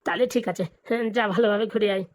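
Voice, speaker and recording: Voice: mid-range voice, very fast, dry recording, lightly acted. A performer voicing a protective, crafty village grandfather in a comedy cartoon, talking colloquially and grumbling. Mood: doting. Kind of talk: exaggerated cartoon comedy dialogue.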